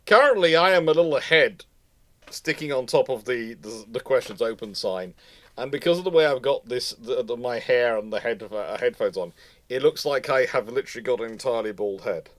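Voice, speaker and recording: A man hosting a live history stream in casual chat, with a halting, rambling way of talking that often repeats words. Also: mid-range voice, expressive, a bit bright. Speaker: host of a live history question show; history lecturer.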